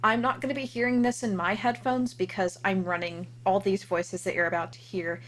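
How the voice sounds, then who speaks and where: A woman's voice: mid-range voice, steady tone, a little fast. Woman chatting casually over noisy hum. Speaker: demonstrator of voice changer software. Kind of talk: casual live software walkthrough. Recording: clearly noisy, humming home recording.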